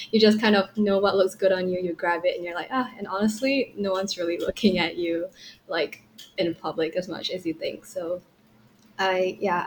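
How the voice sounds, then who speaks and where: A young woman talks as a guest on a student podcast. Her voice is of average pitch, and she reflects casually with loose, hedged phrasing. There is faint noise behind her. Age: young adult. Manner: informal, hedging with "kind of" and "you know".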